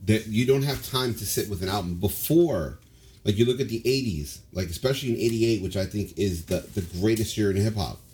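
A man's voice: lowish voice, brisk, darkish tone, slight background noise. A man co-hosting a casual podcast, talking at length with strong opinions and lots of fillers. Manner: rambling, opinionated, many fillers. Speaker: podcast co-host. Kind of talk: casual chat.

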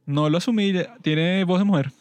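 A man's voice: sits high, moderate pace, darkish tone. A man hosting a casual film review podcast, talking in a wry, mock-serious way. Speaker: podcast host.

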